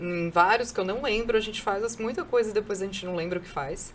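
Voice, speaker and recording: Noticeable background noise beneath a voice of ordinary pitch variation. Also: woman. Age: 40s. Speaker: actress and voice actor. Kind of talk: interview. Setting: studio.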